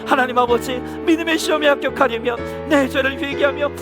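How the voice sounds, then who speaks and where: A man's voice: very high-pitched, steady tone, brisk. A male pastor preaching and leading a spoken prayer in church, with a repetitive, pleading cadence. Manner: hushed, quiet prayer. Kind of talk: sermon and fervent spoken prayer. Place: church sanctuary. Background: music.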